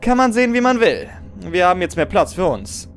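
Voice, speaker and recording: A man's voice: high-pitched, huge pitch swings, brisk, slight background noise. A man playing a jaded but comradely veteran soldier in an audio drama, blunt and resigned.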